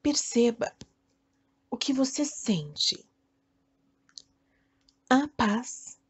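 A Brazilian woman leading a guided meditation in a soothing, deliberate way, speaking in short phrases with long pauses. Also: fairly high pitch, big pitch swings, husky. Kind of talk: guided meditation, self-hypnosis narration.

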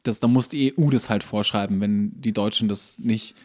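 A man's voice: lowish voice, steady tone, moderate pace, darkish tone. A man co-hosting a podcast in casual comedic chat, ranting with sarcasm and exasperation. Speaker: podcast host.

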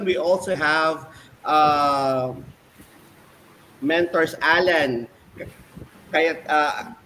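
A man with a Filipino accent hosts a live online webinar, switching between English and Filipino as he introduces mentors and segments. His voice sits a little high for a man, with faint background noise behind the video-call audio. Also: bright, forceful tone, poor audio. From Philippines. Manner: mixes English and Filipino, announcer-like. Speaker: host. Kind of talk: webinar hosting.

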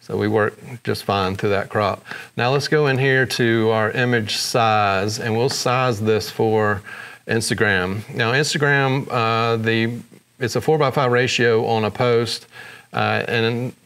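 A man hosting a photography software tutorial, explaining each step in a relaxed way with frequent fillers. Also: medium pitch, takes it slowly, clear, resonant tone. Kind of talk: screen-recorded software tutorial.

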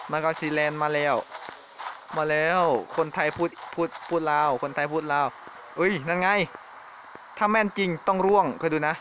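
A man giving jokey, excitable commentary while playing a shooting game, exclaiming often. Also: fairly high pitch, muffled recording, background noise. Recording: game sounds and gunfire behind.

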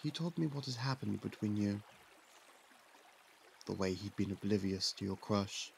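A man playing a curious, persuasive young prince as a suitor in an ASMR roleplay, speaking softly and confidingly. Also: on the low side, moderate pace, creaky, slight background noise. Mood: gentle, confiding. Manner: soft-spoken, confiding, with some hushed whispers. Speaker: voice actor.

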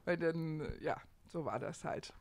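A woman's voice: low voice, lively intonation, unhurried, a little mellow. A middle-aged woman, talking conversationally as an interview guest and searching for her phrasing as she goes. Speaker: hotel owner, interview guest.

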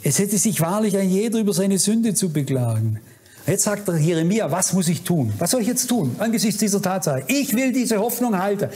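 Fervent high-voiced male preacher. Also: expressive, a little fast, a little mellow. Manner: fervent, admonishing, addresses audience directly. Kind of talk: sermon. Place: conference hall.

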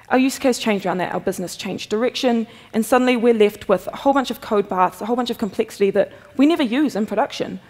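Young kiwi woman talking tech at a podium, bit of vocal fry, quick and jokey, hall reverb. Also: medium pitch, darkish tone. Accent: New Zealand. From New Zealand. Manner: quick, chatty, self-deprecating humor. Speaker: conference speaker, software developer. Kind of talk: technical conference talk. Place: large conference hall, at a podium. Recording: long reverb of a big hall.

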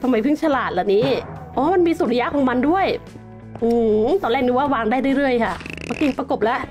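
A woman's voice: high-pitched, expressive, brisk, a little mellow, faint music behind. A young woman host chatting through her gameplay, exclaiming often and calling herself by name. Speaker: gaming channel host. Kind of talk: Minecraft gameplay commentary.

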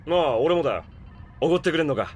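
A man's voice: a little high, lively intonation, fast, lightly acted. An actor playing a casual, slangy young male spaceship crewman in an audio drama. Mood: uneasy. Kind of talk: Japanese audio drama acting. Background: loud background music.

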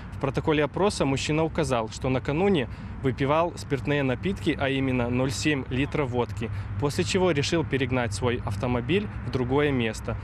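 A young man, a traffic police inspector, giving a formal, bureaucratic statement into a handheld reporter's mic outdoors. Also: mid-range voice. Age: young adult. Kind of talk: official interview statement. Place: outdoors by a building on a street. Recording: outdoor street noise.

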